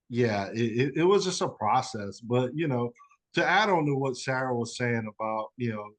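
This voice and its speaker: A man, a guest author, telling a personal story in a rambling conversational way, full of "you know" and fillers. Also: lowish voice.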